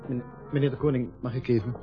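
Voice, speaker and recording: An actor playing a polite, hesitant, deferential photographer in a naturalistic radio drama. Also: male voice, medium pitch, fairly even intonation, quick pace, natural voice. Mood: polite, fussy. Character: polite, apologetic, fumbling male staff photographer. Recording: dull lo-fi radio recording with music.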